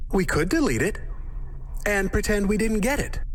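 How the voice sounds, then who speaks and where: In a put-on character voice with fairly high pitch, the speaker delivers lines in a deadpan tone at a moderate pace over clear background noise. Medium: video game. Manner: literal, deadpan.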